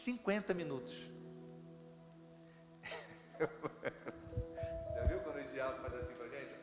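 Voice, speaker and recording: A man with a Brazilian accent, preaching a sermon as pastor, telling stories in a lively way with laughter. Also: mid-range voice, slow pace, big-room sound, loud music behind the voice. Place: church sanctuary.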